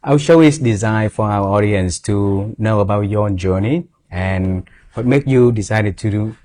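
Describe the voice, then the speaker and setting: A man's voice: fairly low pitch, measured pace, darkish tone. A man in his forties with a Vietnamese accent, hosting an interview and speaking earnestly with non-native English phrasing. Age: 40s. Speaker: host.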